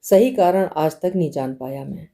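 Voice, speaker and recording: A tender young husband speaks in soft, coaxing questions, as a woman narrator puts him on. His voice is low and dark-toned, gentle and pleading. It is heard in a storybook audiobook reading. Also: animated, moderate pace. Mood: sorrowful.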